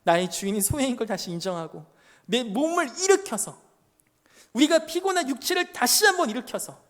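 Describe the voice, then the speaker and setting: A man in his thirties, a junior pastor preaching a sermon to young adults, pressing the room with emphatic rhetorical questions and stories from his family life. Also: high-pitched. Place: church sanctuary. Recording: long church hall reverb.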